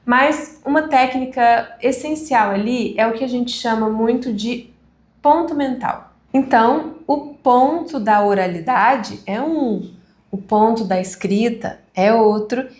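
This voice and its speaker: A woman instructor giving a live online class on speaking, conversational with deliberate pauses. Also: on the high side, darkish tone, reverberant. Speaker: communication instructor.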